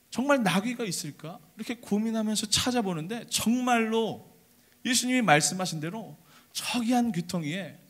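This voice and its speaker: Young male junior pastor, slightly high voice, very lively intonation, animated storytelling sermon that acts out the characters. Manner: speaks directly to the congregation with questions. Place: church service.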